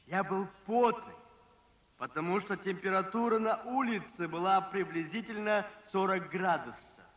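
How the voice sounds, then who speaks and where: A man preaching a sermon, telling a story with emphasis, slowing down and dropping low at dramatic moments. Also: fairly bright tone. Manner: emphatic, slows and drops pitch for drama. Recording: long reverb from a large hall.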